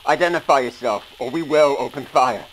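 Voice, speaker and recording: Stern warship officer over hissy comms. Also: male voice, medium pitch, fairly bright tone, poor audio. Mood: stern, formal. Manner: formal, measured military announcing. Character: stern, formal human warship officer hailing strangers. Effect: radio transmission. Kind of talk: sci-fi audio drama acting.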